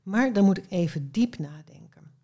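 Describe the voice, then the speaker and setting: A woman reading aloud a gruff, earnest male poet from a storybook, who makes solemn pronouncements. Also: medium pitch, lively intonation, normal speed, mellow, close to an everyday voice. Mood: solemn, instructive.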